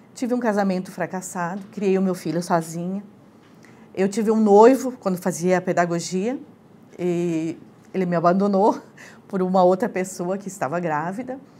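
A woman speaks at a moderate pace in a dark, mellow tone with ordinary pitch variation. Her pauses are long and frequent. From southern Brazil, Erechim area (Rio Grande do Sul); Rio Grande do Sul, Brazil. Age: 50s. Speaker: retired teacher. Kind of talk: life-story interview. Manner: halting, many fillers. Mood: reflective, warm. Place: studio.

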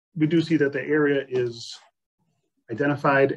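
A man's somewhat breathy voice at a moderate pace, with fairly even intonation and a quiet background. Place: meeting room. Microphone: video call.

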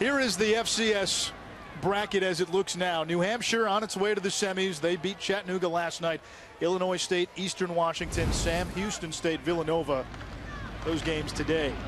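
There is noticeable background noise as a man with a high pitch speaks. He keeps a moderate pace with ordinary pitch variation. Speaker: play-by-play sports announcer. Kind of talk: live football play-by-play commentary. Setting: stadium broadcast booth. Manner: rising to an excited, breathless shout on the big return; brisk, polished broadcaster delivery.

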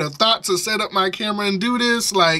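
A man speaks in a raised, projected voice over light background noise. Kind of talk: casual tutorial commentary. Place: shop.

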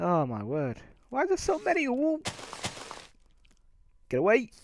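At a moderate tempo, a man talks with a British accent. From United Kingdom. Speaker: gaming YouTuber. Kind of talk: casual let's play commentary.

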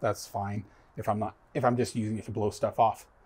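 A man speaks in a somewhat breathy voice. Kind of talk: casual vlog chat. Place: workshop. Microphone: phone near.

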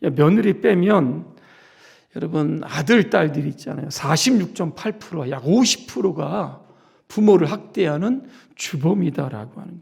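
Speaking at a very slow pace, a man with a fairly high pitch and vocal fry uses lively intonation, his loudness swinging widely. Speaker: pastor. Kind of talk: sermon. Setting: church.

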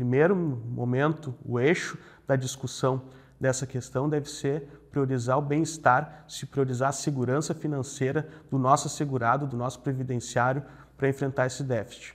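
A man talks at a moderate pace in monotone, flat intonation. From southern Brazil, Rio Grande do Sul. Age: 30s. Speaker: mayoral candidate, party leader; candidate. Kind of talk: political interview. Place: studio.

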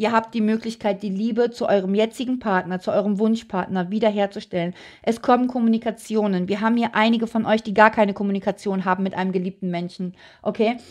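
A woman talks at a very fast pace and a fairly high pitch over a quiet background. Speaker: tarot reader. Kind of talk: tarot reading monologue. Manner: animated. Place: home room. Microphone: phone near.

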